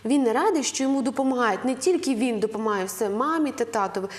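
A young woman with a western Ukrainian accent speaks as a studio guest, explaining parenting points in an earnest, instructive way. She often pauses on fillers as she gathers her thoughts, and her voice sits a touch high. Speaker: guest on a Christian TV program. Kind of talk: advice talk on parenting.

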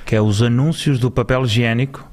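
A man's voice: mid-range voice, steady tone, a little fast, a little mellow. A man, telling comic stories as a casual guest. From Barcelos, northern Portugal. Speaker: comedian, guest. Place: small podcast studio. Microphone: close studio mic on boom arm.

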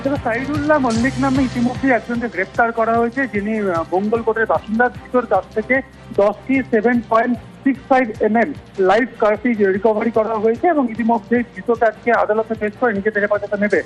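A man's voice: very high voice, fairly even intonation, fairly quick, soft background music, low-quality recording. A male field reporter giving a live report with frequent hesitations and fillers.

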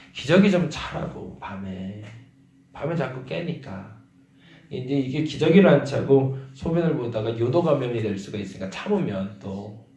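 Animated male pastor in an echoing church. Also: medium pitch. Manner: conversational storytelling, acting out quoted voices. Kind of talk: dawn prayer sermon. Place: church sanctuary. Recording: roomy church echo.

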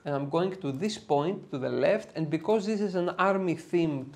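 A man's voice: on the high side, normal speed, vocal fry. A man in his thirties with a Greek accent, chatting his way step by step through a photo editing tutorial from a home studio. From Greece. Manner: lively, chatty, explains step by step with filler uhs. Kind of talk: screen-recorded software tutorial. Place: dim home studio, indoors.

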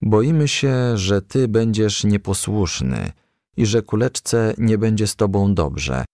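A man plays a cautious, solemn storybook firefly father. He speaks gravely and with hesitation, in a low, creaky voice. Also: animated, takes it slowly, a little mellow, no echo, studio quality. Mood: solemn, regretful.

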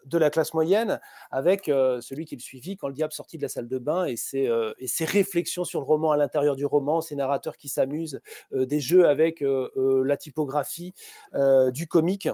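A man in his fifties interviewing an author over a video call, halting often with filler sounds and restarting his sentences. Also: fairly high pitch, warm tone, dry recording, studio quality. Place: room with posters behind. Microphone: webcam on a video call.

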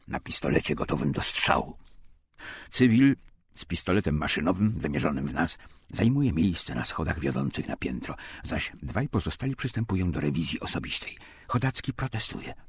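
Deep husky guy reading a war memoir audiobook, grave and dramatic, really expressive. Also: no echo. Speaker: audiobook narrator. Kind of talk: scripted first-person war memoir narration, acting out quotes.

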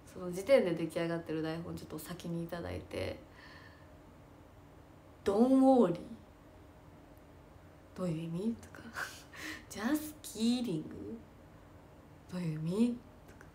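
A young woman talks in an easy, casual chat, self-deprecating and quick to laugh. Her voice sits at a middle pitch for a woman. Faint background noise runs under the recording. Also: a little mellow. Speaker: idol and stage actress.

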